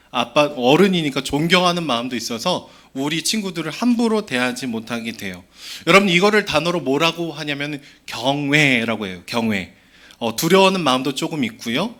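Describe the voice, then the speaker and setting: Animated bright-voiced male pastor. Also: medium pitch. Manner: animated, questions to the children. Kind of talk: children's sermon.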